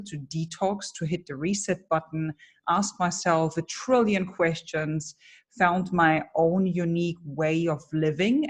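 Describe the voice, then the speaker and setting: A woman, a business coach giving candid, emphatic interview answers. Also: fairly low pitch. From Germany. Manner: energetic, candid, emphatic storytelling. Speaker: guest, personal branding coach.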